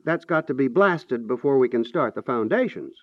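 A man's voice: mid-range voice, expressive, normal speed, no echo, natural voice. A man playing a breezy, jovial architect who breaks bad news lightly in a 1950s radio comedy. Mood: breezy, matter-of-fact. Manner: chuckling, breezy. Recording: dull vintage 1950s radio recording.

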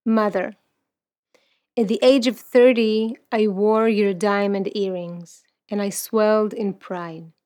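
A woman's voice: medium pitch, fairly even intonation, slow pace, darkish tone. A woman in her thirties from Ukraine, whose first language is Russian, talking earnestly and reflectively about her life as an interview guest and reciting a poem, with frequent restarts. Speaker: guest, activist and poet. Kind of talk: personal interview talk and poetry recital.

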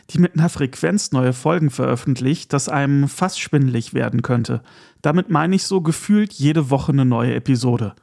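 A man's voice: mid-range voice, vocal fry, darkish tone. A man hosting a casual podcast, talking in a chatty, enthusiastic way with asides and small laughs. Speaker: podcast host.

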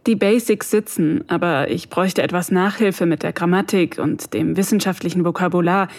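Actor: young researcher, first-person inner voice, middle pitch, intimate and observant, dry close mic. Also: a little mellow, dry recording, natural voice. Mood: chatty.

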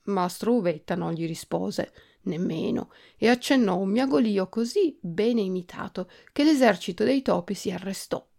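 A woman reading a children's storybook aloud with an expressive, animated delivery. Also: medium pitch, normal speed, creaky, few pauses. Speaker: podcast host reading aloud.

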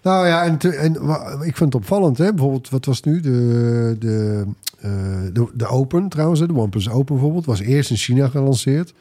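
Mellow-voiced man, casual podcast host. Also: mid-range voice, a little fast, breathy edge. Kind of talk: casual tech podcast chat.

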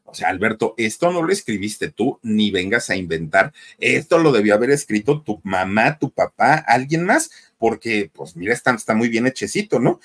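A man's voice: fairly low pitch, sing-song, moderate pace, hardly any pauses. A man voicing a stern adult teacher who dismissively doubts a student's work. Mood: scolding.

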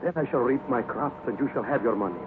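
An actor playing a poor, worried farmer who pleads anxiously and politely, in 1950s radio drama style. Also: male voice, mid-range voice, quick pace, close to an everyday voice. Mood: pleading. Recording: narrow, hissy 1950s radio broadcast.

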